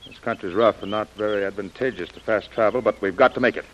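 An actor playing a brisk male expedition commander who gives crisp orders, in 1930s radio drama style. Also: lowish voice, lo-fi sound, slight background noise, close to an everyday voice. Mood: commanding.

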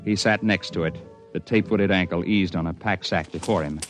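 An actor playing a mountain climber who narrates the story and trades wry jokes, in a radio drama. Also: male voice, low voice, steady tone, fairly quick, music in the background, natural voice. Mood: telling. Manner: wry, joking.

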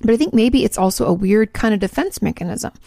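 A woman's voice: mid-range voice, animated, quick pace, gravelly, mellow, no echo, clean studio sound. A woman therapist hosting her own advice podcast, chatting casually and correcting herself as she goes. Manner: chatty, self-correcting, laughs at own slips. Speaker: podcast host, marriage and family therapist. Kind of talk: casual chat answering listener questions.

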